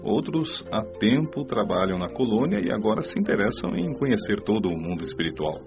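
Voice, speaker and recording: A man with a Brazilian accent playing a kindly, instructive spirit mentor in an audio drama, explaining in measured phrases. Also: lowish voice, big pitch swings, lo-fi sound, over music. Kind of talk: audiobook radio drama dialogue.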